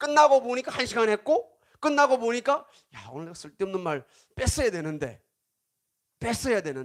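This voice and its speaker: An animated man's voice, extremely high in pitch, with very wide pitch swings and big swings in loudness. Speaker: pastor. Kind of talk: sermon. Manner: fast.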